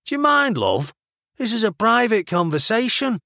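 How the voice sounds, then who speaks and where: Man doing a high-pitched, sardonic Mancunian bloke. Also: expressive, a little slow, a bit bright, no room sound, studio quality. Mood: blunt, dismissive. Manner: over-enunciated vowels, half-hearted and blunt. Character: laid-back, sardonic bearded man, casually unimpressed.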